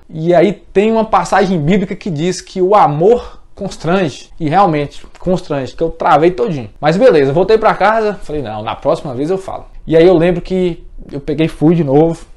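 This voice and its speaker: A man's voice: fairly high pitch, moderate pace, a little mellow. A man in his twenties from Brazil, giving an earnest, emotional personal testimony as a Christian speaker, repeating words as he tells his story.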